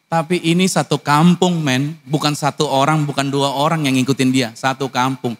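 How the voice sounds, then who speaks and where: A pastor preaching a sermon, mixing casual slang with formal lines and asking the congregation rhetorical questions. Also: male voice, moderate pace. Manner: swings from high excited lines to low earnest ones.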